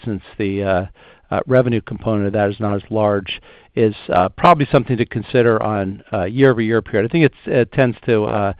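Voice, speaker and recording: Halting man on a muffled conference call. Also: lowish voice, dry recording. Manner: halting, measured, hedging. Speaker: company finance executive answering analysts. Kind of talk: earnings call answers, unscripted.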